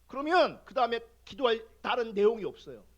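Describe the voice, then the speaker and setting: A male pastor giving a sermon, telling a personal testimony and acting out his own prayers in an animated way. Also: extremely high pitch, a little fast, muffled recording.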